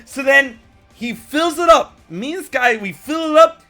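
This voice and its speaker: A young American man hosting a podcast, telling a story in casual chat and acting out quotes with sudden loud jumps. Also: extremely high pitch, lively intonation, a little slow, soft background music. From United States. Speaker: podcast host.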